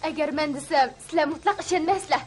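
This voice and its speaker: A woman voicing a lively young cartoon girl, chatty and quick. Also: high voice, faint music behind, lightly acted. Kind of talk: cartoon dub acting.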